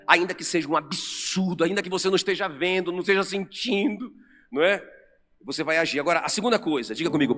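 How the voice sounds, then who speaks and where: A man with a Brazilian Portuguese accent preaching an animated sermon to a congregation in a church. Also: fairly high pitch. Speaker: pastor. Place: church sanctuary. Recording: long church reverb with music under.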